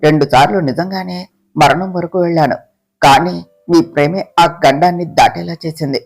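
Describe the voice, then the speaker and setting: A storyteller voicing a frightened young wife who pleads with her husband through tears, soft guitar playing behind. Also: medium pitch, steady tone, moderate pace, creaky, pitched below the performer's own voice. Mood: tearful. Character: tearful young pregnant wife, fearful and devoted. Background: soft guitar music.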